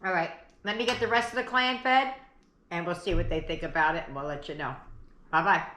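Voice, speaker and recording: A woman's voice: lowish voice, brisk, bright, forceful tone, a little hiss or hum. Chatty home-cooking woman in her kitchen. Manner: chatty and homey, talks while eating. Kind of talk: casual cooking chat. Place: home kitchen and family dinner table.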